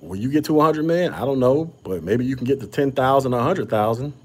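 A man's voice: mid-range voice, lively intonation, fast talker, a little mellow, husky. A man hosting a casual podcast chat, talking with a slight stutter and frequent restarts. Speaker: podcast host. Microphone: podcast microphone.

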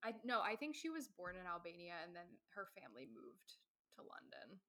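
A woman's voice: on the low side, very animated, a little fast, fairly bright tone. A young woman co-hosting a podcast in casual live stream chat, laughing often and leaning on "like". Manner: chatty, laughing, full of "like". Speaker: podcast co-host.

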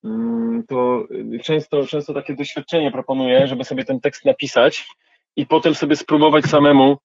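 A man's voice: a little high, moderate pace, creaky, dry recording, muffled recording. A man, a rapper, answering interview questions in a reflective, colloquial way.

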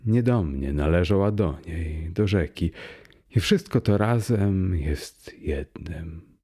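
A man reading a warm, joyful young man in a storybook. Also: deep voice, sing-song, slow, gravelly, slightly rough, full character voice. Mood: hushed rapture.

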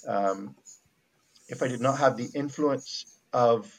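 A man from Barbados with a Bajan accent, speaking as a missionary guest in a casual faith conversation, reflective and halting with many restarts. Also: medium pitch, husky, low-quality recording.

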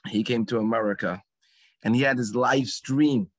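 A man with an English accent tells a story to a gathering, acting out lines and leaning on dramatic pauses. His voice sits at an everyday middle pitch. The sound is dry and close. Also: no room sound. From England. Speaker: speaker at a gathering. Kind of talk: storytelling talk at a religious gathering.

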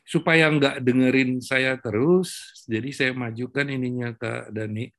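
A man's voice: mid-range voice, steady tone, moderate pace, a bit bright. A man with an Indonesian accent giving informal explanatory commentary as a presenter.

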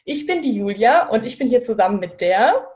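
A woman of twenty co-hosting a podcast in relaxed casual chat, with frequent fillers. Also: on the high side, fairly quick. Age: 20s. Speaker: podcast co-host.

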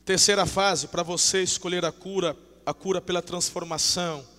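A man preaching a sermon, swinging from shouted outbursts to low, intimate talk and acting out dialogue fervently. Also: fairly even intonation, normal speed. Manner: fervent and emotional, acts out dialogue. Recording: long reverb of a large hall.

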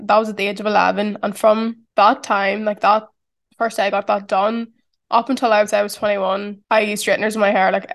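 A woman in her twenties with a strong Irish accent, talking through a casual, reflective solo podcast and saying "like" often. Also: mid-range voice. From Ireland. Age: 20s. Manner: chatty, reflective, heavy use of "like". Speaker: podcast host.

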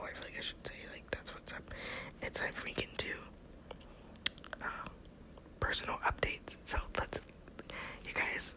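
A twenty-year-old American woman whispering a casual, rambling ASMR personal update in a soft, breathy voice. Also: low-quality recording. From Texas, United States. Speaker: ASMR video creator.

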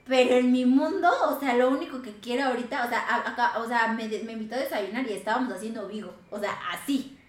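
High-voiced Mexican woman, animated storyteller. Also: fast talker, echoey room. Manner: animated, swears a lot, acts out quoted dialogue. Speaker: podcast host. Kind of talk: casual storytelling chat.

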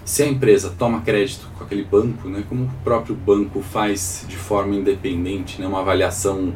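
A man's voice: lowish voice, fairly even intonation, fairly quick, darkish tone. A Brazilian man hosting a live financial morning call, talking informally, his voice congested and sore from a cold, as if his tonsils were swollen. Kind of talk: informal live market commentary with audience questions. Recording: distant mic with faint background noise.

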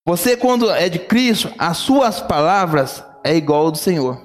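A man's voice: fairly high pitch, expressive, normal speed, soft background music. A man preaching a sermon, telling a story fervently and repeating phrases. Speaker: pastor.

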